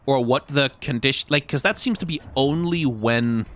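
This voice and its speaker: A man's voice: medium pitch, normal speed, a bit bright, a little hiss or hum. A man doing casual gameplay commentary, thinking aloud in a musing, wryly exasperated way. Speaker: video game streamer.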